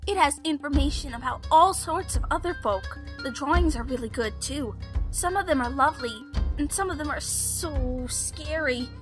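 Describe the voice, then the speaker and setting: Actress as chirpy eager young woman, high girlish voice, earnest, audio drama with music behind. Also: normal speed, natural voice. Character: chirpy, eager young woman fascinated by old monster lore.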